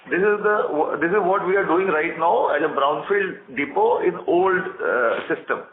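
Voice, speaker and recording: A man's voice: sits high, normal speed. A man, an executive explaining things in an emphatic, didactic way on a call. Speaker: company executive answering investors. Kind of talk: explanatory conference call answer. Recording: echoey room over narrow phone line.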